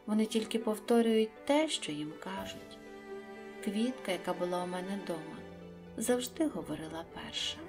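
A woman voicing a small, lonely boy prince in an audiobook, with a high, earnest, wondering voice. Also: lively intonation, normal speed, over music, lightly acted. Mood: sad wondering. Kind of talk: audiobook reading.

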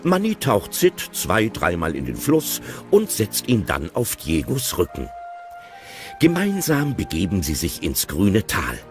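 A man narrating an audio drama with playful commentary. His voice sits slightly low but swings widely and expressively. Music plays clearly beneath him. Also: wildly swooping pitch, unhurried.

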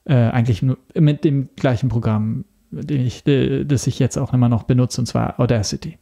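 Gravelly, hesitant man. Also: mid-range voice, steady tone, normal speed, warm tone. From Italy. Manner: hesitant, searching for words. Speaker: podcast guest. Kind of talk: casual interview talk.

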